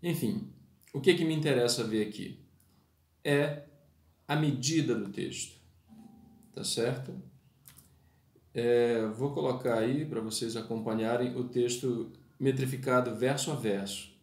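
A man's voice: mid-range voice, a little slow, pauses often, a little mellow. Man teaching poetry in a roomy space. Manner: didactic, addresses listeners formally, sings verses to guitar. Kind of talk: spoken lesson with sung verses.

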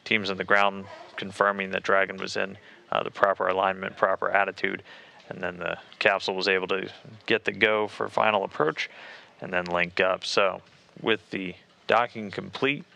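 An American man giving live spaceflight commentary from mission control in a measured, matter-of-fact, procedural manner, like a space communicator. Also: deep voice, fairly even intonation, vocal fry, sharp tone.

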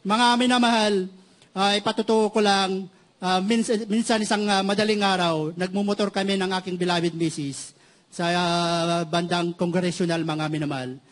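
A man with a strikingly high voice gives a church testimony in a halting way, restarting words and pausing to address his listeners fondly. He is middle-aged and from the Philippines. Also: steady tone. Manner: halting, repeats "mga minamahal" constantly, many restarts. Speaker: church member giving testimony.

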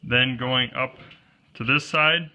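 A man with a steady mid-range voice talks slowly through building a homemade camera pole, part by part, in a plain manner typical of a DIY kayak gear presenter. Background noise is audible. He speaks off-camera over an overhead shot of his hands on a wooden table indoors.

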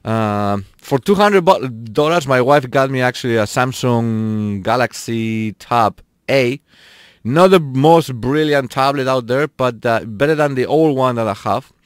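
A man's voice: medium pitch, animated, measured pace, smooth, no echo, studio quality. A man live streaming a racing game, chatting casually with his viewers and laughing often. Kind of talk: casual live-stream chat while gaming.

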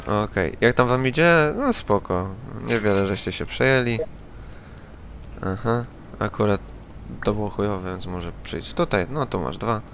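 A man's voice: lowish voice, expressive, measured pace, fairly bright tone, a little hiss or hum. A young man with a Polish accent giving sarcastic, profane let's-play commentary as he plays a game. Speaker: gaming YouTuber.

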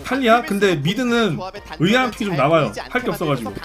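A man's voice: high voice, very animated, quick pace, over music. A man giving casual, blunt watch-along commentary on an esports match, musing informally as he goes. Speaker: streamer reacting to esports match highlights.

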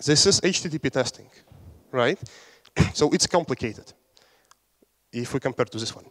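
In a large conference hall, a young Latvian man presents a technical talk casually and with jokes, stumbling through fillers and restarts. His mid-range voice is animated and a bit bright, moving at normal speed, and the recording carries hall reverb.

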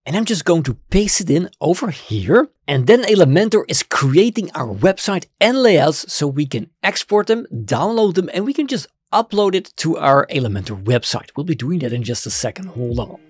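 Enthusiastic Dutch man with a husky voice. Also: no room sound, studio quality. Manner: enthusiastic, quick swings between excited highs and low asides. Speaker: web design tutorial host. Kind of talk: screen-recorded software tutorial. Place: home studio room with colored lights. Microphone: studio mic on stand in front.

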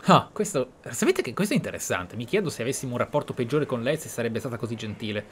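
A man's voice: mid-range voice, sing-song, quick pace. Casting: male gameplay host, mid-range voice, thoughtful explainer, some game ambience underneath. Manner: reflective, explanatory. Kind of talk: role-play game commentary. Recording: clear background game ambience noise.

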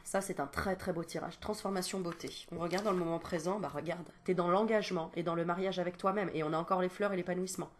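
A woman's voice: lowish voice, fairly even intonation, fast, hardly any pauses, slight background noise. A French-speaking woman giving a casual, reassuring card reading to camera, talking in a chatty way with many fillers and sighs, coughing now and then. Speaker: card reader and medium.

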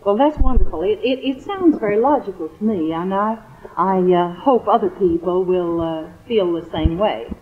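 An American woman hosting a 1950s radio interview, speaking politely and haltingly. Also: mid-range voice. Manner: polite, halting, hesitant phrasing. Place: convention hall radio interview. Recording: tinny phone-like 1950s radio recording.

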